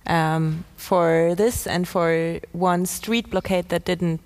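A woman's voice: fairly low pitch, fairly even intonation, takes it slowly, darkish tone. A woman whose first language is German, speaking earnestly in English on a panel and sometimes searching for words. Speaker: climate activist guest. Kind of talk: panel discussion.

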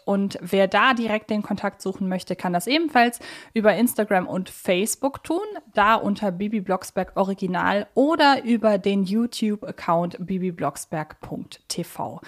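Chatty woman hosting a podcast. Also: fairly high pitch. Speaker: podcast host. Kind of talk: conversational podcast moderation.

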